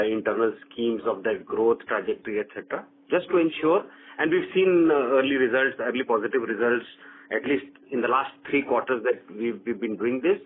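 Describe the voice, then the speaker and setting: Indian man on a tinny phone line. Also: fairly low pitch. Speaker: company executive answering analysts. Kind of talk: conference call answers. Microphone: phone conference call. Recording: tinny narrow phone line, noisy hum.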